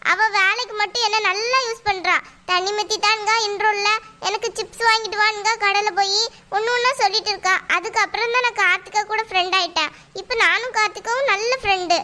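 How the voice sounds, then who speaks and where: Woman voicing an eager cartoon schoolgirl; very high, bright voice. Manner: eager, tattling. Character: chatty loyal little schoolgirl Pavithra. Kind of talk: cartoon voice acting.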